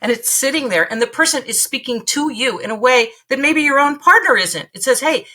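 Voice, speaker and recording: A woman's voice: high-pitched, animated, a little fast, sharp tone. A woman guest on an interview podcast giving career advice in an emphatic, punchy way, repeating points for effect.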